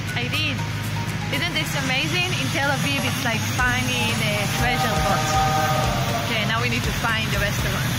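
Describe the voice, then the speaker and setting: Female voice at a moderate pace with long, frequent pauses and music in the background. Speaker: vlogger. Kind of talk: casual vlog chat.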